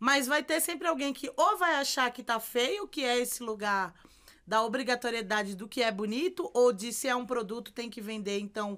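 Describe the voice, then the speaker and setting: Against a quiet background, a woman speaks at a high pitch in a bright, sharp tone with lively intonation. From Pernambuco, Brazil (Recife/Olinda); Pernambuco, Brazil. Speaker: content creator and columnist; content creator. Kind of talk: casual interview. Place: studio. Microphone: studio mic.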